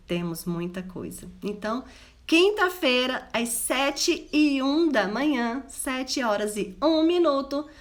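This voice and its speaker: Slow-speaking Goiás Brazilian woman mentor. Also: fairly high pitch. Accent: Goiás Brazilian Portuguese. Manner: addresses listeners directly, animated. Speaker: Christian women's mentor. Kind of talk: live devotional talk.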